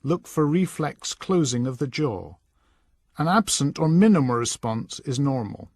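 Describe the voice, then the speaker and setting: A man reading scripted instructional narration in a measured, instructing manner. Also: mid-range voice, big pitch swings, no room sound. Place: dry voice-over recording.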